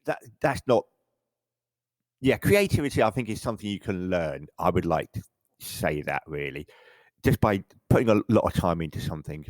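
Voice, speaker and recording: Low-voiced, rambling English man. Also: lively intonation, moderate pace, dry recording. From England. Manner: rambling, self-correcting, frequent stammered restarts. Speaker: photographer guest. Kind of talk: casual interview chat.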